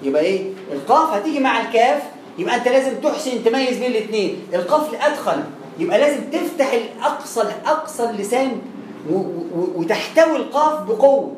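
A man's voice: very high-pitched, lively intonation, quick pace. Man, Egyptian Arabic accent, recitation teacher, chatty and repetitive, roomy recording, faint hum behind. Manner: chatty, repeats words and demonstrates sounds. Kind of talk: explanatory lesson. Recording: roomy echo, faint background noise.

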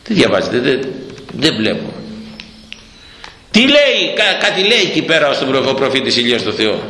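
A man preaching a sermon on scripture, with an emphatic, repetitive cadence and a somewhat hoarse throat. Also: medium pitch, expressive, pushed and bright, a little hiss or hum. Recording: echoey hall, long reverb.

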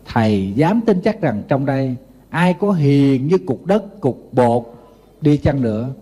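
A man's voice: medium pitch, husky. A middle-aged man with a Southern Vietnamese accent, preaching as a Buddhist monk, telling humorous anecdotes in a sermon. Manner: lively anecdotal storytelling with humor.

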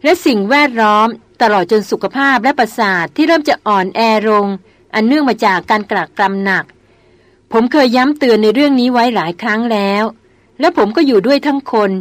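A woman voicing a calm, protective male hunter who gently soothes and reasons. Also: a little high, brisk, no echo, close to an everyday voice. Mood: reasoning.

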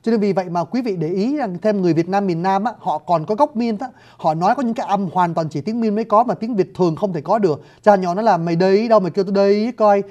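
Fast-talking lecturer. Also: mid-range voice, warm tone, lo-fi sound. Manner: explanatory, often addresses listeners as "quý vị". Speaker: lecturer on scripts and languages. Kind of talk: spoken lecture.

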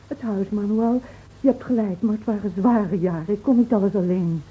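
An actress playing a grieving, devoted middle-aged village wife in a Dutch radio drama, speaking in a solemn, measured, pleading way. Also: female voice, mid-range voice, slightly rough, natural voice. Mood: tender, resigned. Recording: tinny, narrow-band old radio recording.

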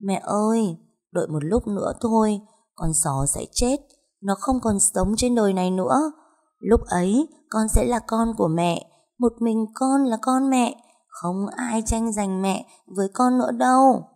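A woman voicing a menacing ghost child who whispers and wheedles in a thin, high child's voice. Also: a little slow, darkish tone. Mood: eerie, clingy.

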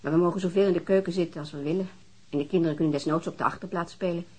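A woman's voice: lowish voice, fairly even intonation, very fast, mellow, slightly rough. A woman acting in a radio drama as a struggling mother, weary and guarded, with a plaintive manner.

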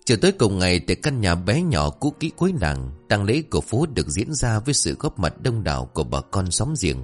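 A man narrating a story in a dramatic, expressive way. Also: lowish voice, fairly quick, soft background music.

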